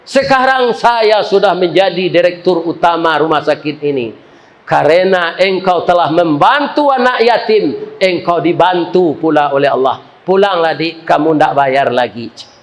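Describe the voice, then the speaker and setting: A preacher voicing a tender grateful hospital director. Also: male voice, a little high, a little slow, natural voice. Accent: Minangkabau.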